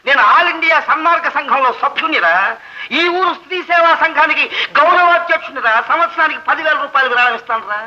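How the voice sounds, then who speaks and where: An actor playing a loud, bossy, wealthy old father, locked in his room, who shouts threats in theatrical bluster. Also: very high-pitched, fast, full character voice. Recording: dull old film soundtrack.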